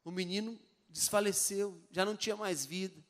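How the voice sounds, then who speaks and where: High-voiced preaching man in a reverberant church. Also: fairly even intonation, moderate pace, fairly bright tone. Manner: emphatic preaching, rhetorical questions to the congregation. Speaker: pastor. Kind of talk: sermon. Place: church sanctuary.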